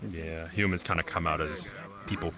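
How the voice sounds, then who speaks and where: A man's voice: rumbling low, steady tone, moderate pace, a crowd in the background. A man playing an easygoing, laconic adventurer in improvised roleplay, speaking in a laid-back, understated way. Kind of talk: improvised in-character virtual reality roleplay chat. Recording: distant, chattering voices behind, voice chat.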